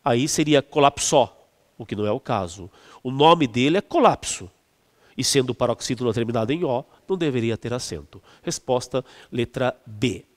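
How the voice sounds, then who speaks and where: Man teaching a lesson, lively up-and-down pitch, stretches words for stress, long reverberant room. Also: moderate pace. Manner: explanatory, with frequent fillers and restarts. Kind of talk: exam-prep lesson.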